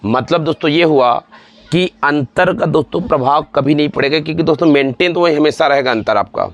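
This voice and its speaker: Speaking fairly quickly in a fairly high-pitched voice, this math teacher in his forties guides exam-prep students step by step, going over points again and addressing them as his friends and dear ones.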